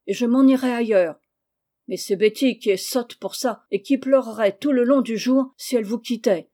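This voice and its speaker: A woman's voice: mid-range voice, a little mellow, close to an everyday voice. Woman doing a blunt, good-hearted rustic farmhand man. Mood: wounded, gruff. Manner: blunt rustic turns of speech.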